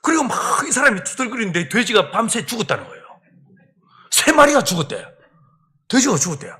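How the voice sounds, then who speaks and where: A man's voice: sits high, brisk. A middle-aged man preaching a revival sermon in church, telling a personal story and acting out the voices in it. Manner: lively storyteller who acts out voices and laughs. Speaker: pastor. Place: church sanctuary.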